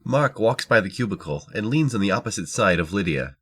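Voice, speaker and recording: Low-voiced male narrator. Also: animated, brisk, a bit bright, breathy edge. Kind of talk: scripted audio drama narration.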